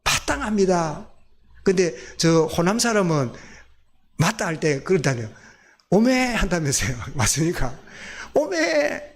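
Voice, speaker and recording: High-pitched man with a gyeongsang accent preaching, folksy, keeps asking the church questions. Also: lively intonation, moderate pace. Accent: Gyeongsang Korean. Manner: folksy, asks the congregation questions. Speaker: pastor. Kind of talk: sermon.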